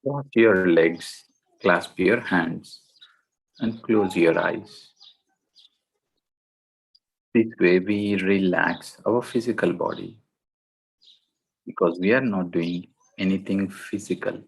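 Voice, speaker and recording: Male meditation guide, slow and gentle, with a low voice and deliberate pauses. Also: gravelly, breathy edge, poor audio. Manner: gentle, deliberate, short phrases with long pauses.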